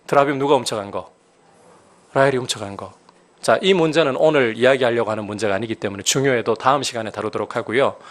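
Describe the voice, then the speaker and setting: A man's voice: medium pitch, a bit bright. A male pastor preaching a sermon, explaining scripture and building to emphatic, raised peaks.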